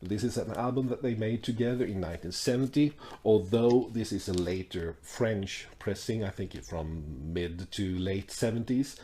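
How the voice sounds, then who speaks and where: A man's voice: lowish voice, moderate pace, warm tone, slight background noise. A man in his forties, a record collector chatting unhurriedly in a casual vlog with many fillers and restarts. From Sweden. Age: 40s.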